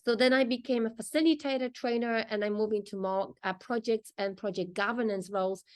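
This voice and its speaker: A woman's voice: a little high, fairly even intonation. A middle-aged woman from Poland with a Polish accent, presenting a business training session in an earnest, explanatory way. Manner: earnest, explanatory, pauses often in short phrases.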